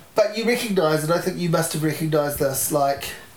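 A man with a fairly high pitch and a New Zealand accent, over noticeable background noise. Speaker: podcast host and writer. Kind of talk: casual chat.

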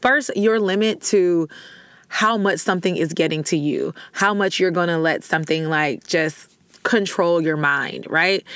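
A woman with an American accent and an ordinary speaking voice, fairly low in pitch, at a fairly slow pace with ordinary pitch variation and very even loudness. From US South, Georgia. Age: 30s. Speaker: podcast host. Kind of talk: casual solo chat.

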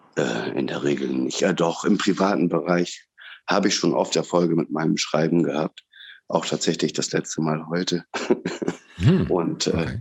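Vocal fry in a man's very deep, low voice, moving at a moderate pace. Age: 40s. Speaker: unemployed father interviewed about pandemic. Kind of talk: casual interview. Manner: halting, many filler sounds.

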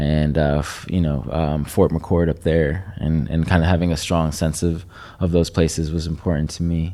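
In a room with audible echo, a man talks at a moderate pace with a very deep, low pitch and a dark, mellow tone. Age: young. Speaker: author. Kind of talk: onstage conversation. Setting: stage with audience.

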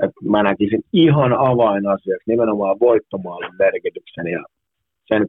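Ordinary pitch variation runs through a man's fairly slow speech. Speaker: hockey commentator. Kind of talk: interview. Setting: phone call. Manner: energetic.

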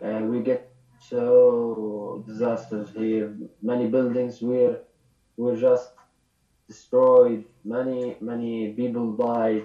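The speaker has an Arabic accent and talks at a very slow pace. The intonation is monotone and flat. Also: man, medium pitch for a man. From Gaza, Palestine. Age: young. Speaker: physiotherapy student. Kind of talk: interview testimony. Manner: halting.

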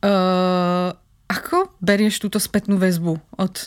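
Very clean recording with a silent background, featuring a woman's medium pitch. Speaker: podcast co-host. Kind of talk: interview.

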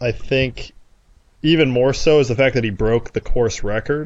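At a moderate pace, a man speaks in a normal speaking voice of medium pitch. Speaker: podcast co-host. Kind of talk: casual chat.

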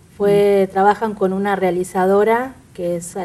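The intonation is monotone and flat. The tone is dark and mellow. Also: woman. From Buenos Aires, Almagro. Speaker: painter. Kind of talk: casual chat.

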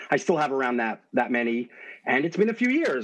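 A man with an American accent uses a plain, everyday voice, lively intonation and a fairly quick pace. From Long Island, New York. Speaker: beat producer. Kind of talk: casual interview chat.

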